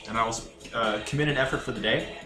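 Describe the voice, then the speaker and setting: A man playing a tabletop game, chatting casually and haltingly as he thinks aloud. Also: mid-range voice, music in the background. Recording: echoey room, clearly noisy.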